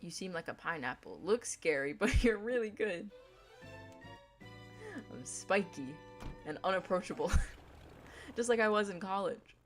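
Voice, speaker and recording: A young woman with a deep voice chatting casually on a gaming livestream, rambling in a playful, laid-back way. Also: lively intonation, a little slow, pauses often, soft background music. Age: young adult.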